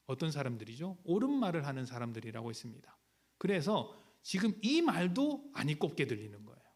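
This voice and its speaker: Animated, higher-voiced male pastor preaching. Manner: conversational, storytelling preaching with rhetorical questions. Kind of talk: sermon.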